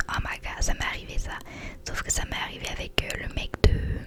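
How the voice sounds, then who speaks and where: Moderately paced whispering from a woman, with noticeable background noise. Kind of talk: ASMR commentary reading listeners' scary stories, casual chatty tone. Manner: whispered, soft.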